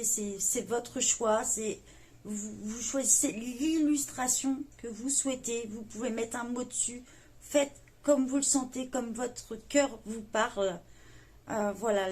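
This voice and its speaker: A woman hosting a coloring channel, talking to viewers in a hesitant, earnest way with many pauses and fillers. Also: on the high side, darkish tone. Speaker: YouTube coloring channel host. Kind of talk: casual video address to viewers.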